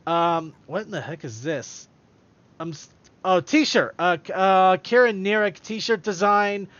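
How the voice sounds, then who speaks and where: A man's voice: high voice, a little slow, a bit bright, dry recording, muffled recording. A man hosting a podcast in casual chat, rambling and stumbling over his words as he goes. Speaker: podcast host.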